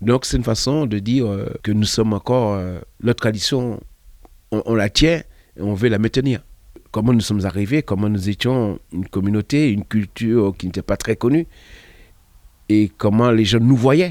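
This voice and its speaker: With a dry, close sound and no echo, a man talks at a moderate pace in a fairly low pitch with ordinary pitch variation. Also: very clean recording, silent background. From Martinique. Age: 60s. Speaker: community association president. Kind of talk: interview testimony. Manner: halting.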